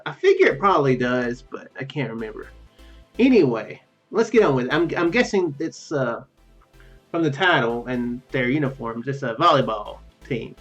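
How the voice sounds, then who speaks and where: A man doing casual game commentary and reading visual novel text aloud, rambling, halting and often correcting himself. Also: mid-range voice. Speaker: let's play video host. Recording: muffled lo-fi mic, music behind. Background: game music.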